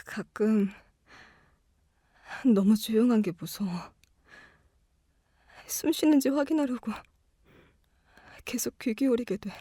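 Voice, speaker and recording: A woman's voice: fairly high pitch, takes it slowly, pauses often, warm tone, husky, no echo, studio quality. An earnest, worried young woman. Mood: tender, fearful. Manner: earnest, emotionally open. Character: devoted, worried young woman nursing her sick sister. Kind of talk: audio drama acting.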